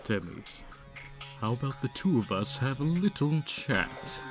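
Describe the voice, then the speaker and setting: An actor playing a sadistic monster in human guise in an audio drama, speaking with taunting politeness and menace. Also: male voice, mid-range voice, big pitch swings, measured pace. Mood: coolly polite. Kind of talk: audio drama villain acting. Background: music.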